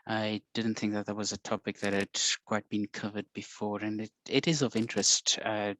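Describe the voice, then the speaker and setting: South African man in his forties, low voice, even and flat delivery, dry close sound, measured. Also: no room sound. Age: 40s. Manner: measured, explanatory, with frequent ums and uhs. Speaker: guest. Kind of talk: video call interview. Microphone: video call.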